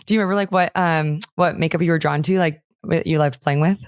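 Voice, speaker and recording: A young adult woman hosting a podcast interview, bubbly and quick to laugh. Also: low-pitched, steady tone, smooth, no echo, studio quality. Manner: bubbly, laughs often, eager responses. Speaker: podcast host.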